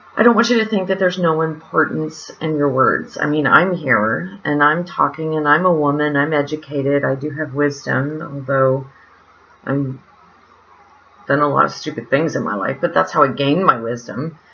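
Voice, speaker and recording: A woman speaks at a moderate pace with a very deep, low pitch and lively intonation. Noticeable background noise runs beneath her voice. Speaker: Bible teacher, online video host. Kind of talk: Bible study talk to camera. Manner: casual, conversational.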